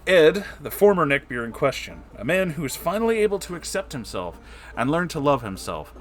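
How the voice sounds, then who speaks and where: Expressive, animated man reading stories aloud. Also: a little high, fairly quick. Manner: emotional, effusive, reactive, profane. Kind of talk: expressive story reading with casual asides.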